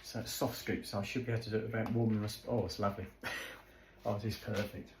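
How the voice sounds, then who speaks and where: Prepping food in his home kitchen, a vlogger keeps up casual commentary aimed at his dog and his viewers as he does chores. He talks quickly in a lowish, level voice with vocal fry. The space is reverberant and noisy, with dishes clattering and a fridge gurgling.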